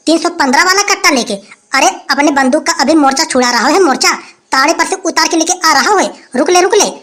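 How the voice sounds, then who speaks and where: Casting: male actor as a shrill, bullying village chief who keeps repeating his threats. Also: bright, forceful tone. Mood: blustering. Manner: blustering, threatening, repeats phrases. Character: boastful greedy male village headman, blustering. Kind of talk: comic sketch acting.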